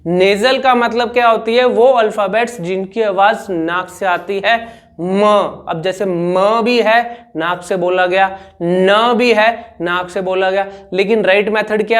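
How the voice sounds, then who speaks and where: Brief: young male speech coach with a high voice, drills syllables over and over. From India. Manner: demonstrates sounds by repeating syllables. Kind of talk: speech therapy lesson.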